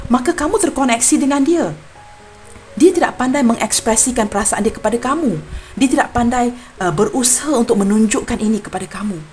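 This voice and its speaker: A young woman from Malaysia with a Malaysian Malay accent, giving a general tarot reading to her viewers in an earnest, apologetic way. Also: fairly high pitch. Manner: earnest and apologetic, addresses viewers warmly as friends. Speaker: tarot reader.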